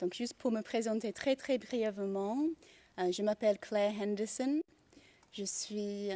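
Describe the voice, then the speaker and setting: A woman's medium-pitched voice with a non-native accent, a dark, mellow tone, ordinary pitch variation and a fairly slow pace. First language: not French (speaking French). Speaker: prosecution lawyer. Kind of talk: courtroom examination. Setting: courtroom. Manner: hesitant.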